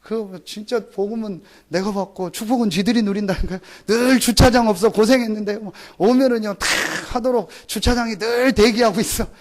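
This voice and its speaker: A man's voice: sits high, brisk, hardly any pauses, a little mellow. A man preaching a Sunday sermon as pastor, firing questions at the congregation and answering them himself. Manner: call-and-response questions to the congregation; acts out short exclamations in a mock rural voice. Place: church sanctuary.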